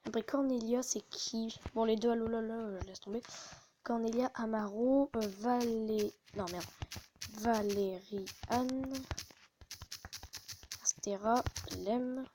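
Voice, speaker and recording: A woman's voice: on the high side, steady tone, slow pace, mellow, a little hiss or hum, rough recording. A woman hosting a casual gaming video, muttering to herself and often stopping to correct herself, recorded on a phone. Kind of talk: casual gameplay commentary.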